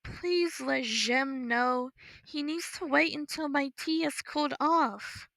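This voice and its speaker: Woman playing a calm, deadpan blind heroine. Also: high voice, takes it slowly, vocal fry, no room sound, pitched above the performer's own voice, heavily acted. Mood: dry. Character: calm, dry-witted blind young woman.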